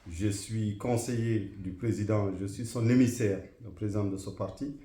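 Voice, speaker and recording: Man, from Guinea, middle-aged, formal, hesitant, warm dark tone, echoey room. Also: fairly low pitch, fairly even intonation. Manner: measured, formal, with frequent hesitations. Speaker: interview guest, association president. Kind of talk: formal interview answers.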